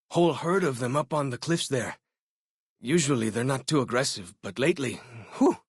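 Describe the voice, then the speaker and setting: An actor playing a friendly young male tribal scout in a video game, with a casual, folksy and expressive delivery. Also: mid-range voice, slightly rough, no room sound, clean studio sound. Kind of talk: in-game dialogue and combat barks.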